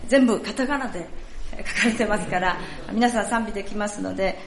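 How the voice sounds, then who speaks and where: A woman leading a church service, speaking in a polite, formal and measured way. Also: mid-range voice. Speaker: church worship leader. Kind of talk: sermon talk at a church service. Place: church sanctuary. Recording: echoey church hall, faint noise.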